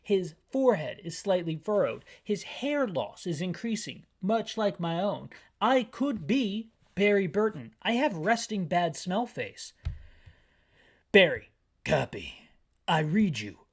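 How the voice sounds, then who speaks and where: A man's voice: high-pitched, very animated, unhurried, few pauses. Wry man rambling through a game playthrough. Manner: rambling, wry, self-mocking asides. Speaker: gaming channel host. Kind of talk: audio-described game playthrough commentary.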